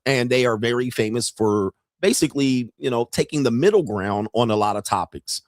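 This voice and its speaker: A man's voice: medium pitch, moderate pace, dry recording, clean studio sound. A man hosting a casual commentary livestream, joking and rambling in slangy talk. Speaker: podcast host.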